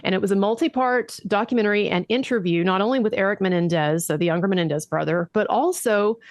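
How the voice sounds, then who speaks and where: A woman's voice: mid-range voice, fast, no room sound, clean studio sound. A woman guest laying out a story methodically and fluently, her voice a little nasal from allergies. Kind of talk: storytelling in an interview.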